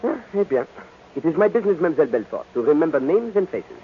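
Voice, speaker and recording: An actor playing a courtly, observant detective in an old radio drama, with a French accent and a theatrical, musing way of talking. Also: male voice, a little high, sing-song, fast, a little hiss or hum. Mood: gently probing. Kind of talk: 1940s American radio drama acting. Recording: tinny, narrow-band old radio recording.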